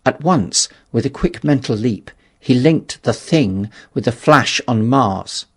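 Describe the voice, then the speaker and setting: Male narrator for a classic novel: creaky, rough-edged voice, mid-pitched, measured and dramatic delivery. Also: expressive. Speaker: audiobook narrator. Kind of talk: scripted literary narration.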